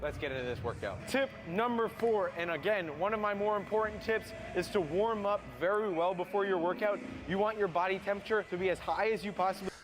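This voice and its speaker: A man's voice: high-pitched, fairly quick, hardly any pauses. A man, a fitness influencer, giving chatty, promotional gym tips in a vlog, partly recorded outdoors by a gym. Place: outdoors by a gym, in a truck bed.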